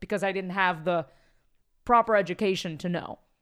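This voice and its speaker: A woman speaks at a medium pitch and a fairly quick pace. The recording is very clean, with a silent background. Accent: Spanish. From Florida, US (Cuban American). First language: Spanish. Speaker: voice actor. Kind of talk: casual interview chat.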